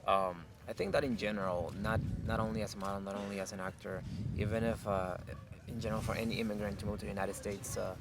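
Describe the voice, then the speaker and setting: A young man from Honduras, a guest answering questions outdoors in a casual chat, pausing to search for words with fillers. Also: lowish voice, steady tone, heavy background noise. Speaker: interview guest.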